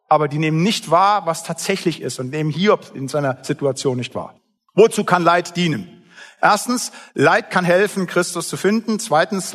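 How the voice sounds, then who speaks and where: A man's voice: a little high, big-room sound. A man preaching a sermon as pastor, emphatic and blunt, with plain everyday asides.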